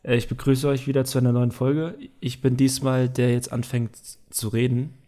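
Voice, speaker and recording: Young man, podcast co-host, relaxed rambling chat, filler-heavy. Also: mid-range voice, moderate pace.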